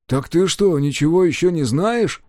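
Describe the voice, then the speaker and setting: A man voicing an excitable, curious peasant woodcarver in a storybook, talking loudly in a raised voice. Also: moderate pace, no echo, studio quality, lightly acted. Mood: excited. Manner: loud, excited, high-pitched.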